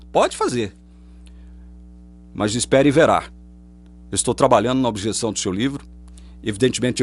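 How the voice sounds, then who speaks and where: A man's voice: mid-range voice, fairly bright tone, husky. A man with a Brazilian Portuguese accent delivering a combative religious monologue to camera, full of rhetorical questions. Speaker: online preacher. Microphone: webcam or phone facing speaker.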